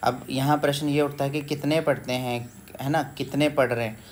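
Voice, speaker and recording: A man's voice: mid-range voice, fairly even intonation, slight background noise. Patient man teaching a class lesson. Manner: patient, repeats words slowly with check-ins. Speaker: Sanskrit teacher. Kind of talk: explaining a school textbook lesson.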